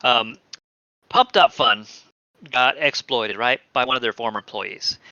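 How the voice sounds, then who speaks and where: A man hosting a casual crypto streaming show, chatty and animated, often laughing. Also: medium pitch, a little slow, no echo, lo-fi sound. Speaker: podcast host.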